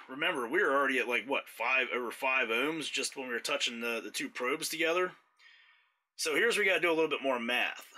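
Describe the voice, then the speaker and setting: A man with a very bright, sharp-edged voice walks through a repair job in a workshop. He talks in a relaxed, explanatory way while his hands are busy with the tools. The delivery is casual and patient. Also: mid-range voice, low-quality recording. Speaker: mower repair technician. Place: indoors, workshop floor.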